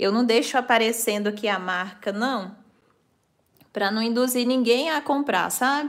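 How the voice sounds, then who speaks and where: A soft-spoken woman with a Minas Gerais accent, fairly high pitch and ordinary pitch variation, against a quiet background. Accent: Brazilian Portuguese, mineiro. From Minas Gerais, Brazil (Belo Horizonte); Minas Gerais, Brazil. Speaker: sewing teacher, channel host. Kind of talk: live-stream tutorial. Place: home room.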